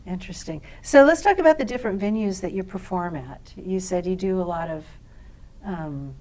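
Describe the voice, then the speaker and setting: A woman's voice: fairly low pitch, normal speed. A woman hosting an interview show, asking questions and encouraging her guest. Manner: warmly encouraging, laughs along. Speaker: host. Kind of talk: casual interview.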